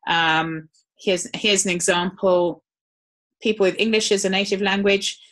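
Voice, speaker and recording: A woman's voice: medium pitch, fairly even intonation, measured pace, a bit bright. A woman giving a live webinar talk in a conversational way, with frequent ums. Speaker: webinar presenter.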